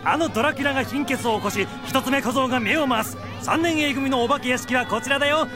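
A woman's voice: high-pitched, quick pace, lightly acted. A woman playing a brash student barker making rhythmic calls for a haunted house in an audio drama. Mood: rousing, playful. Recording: music playing behind the voice.

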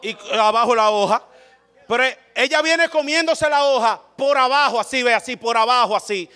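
In a dramatic sermon to his congregation, a preacher moves between loud calls and quiet, low asides. His high voice rings bright, and he keeps a moderate pace.

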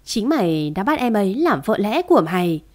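A woman's voice: mid-range voice, very animated, a little fast. A woman reading the part of a bitter middle-aged steward who speaks harshly and accusingly.

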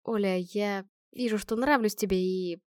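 A woman voicing a shy, earnest young man in a storybook reading, speaking low and hesitantly. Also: steady tone, unhurried, a little mellow, no room sound, studio quality, lightly acted. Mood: tender.

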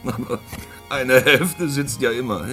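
An actor in a German radio play playing a shady, boastful, sentimental black-market profiteer, expressive and swinging between musing and outbursts. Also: male voice, mid-range voice, measured pace, soft background music, close to an everyday voice. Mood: maudlin, boastful. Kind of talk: German radio play acting with first-person narration.

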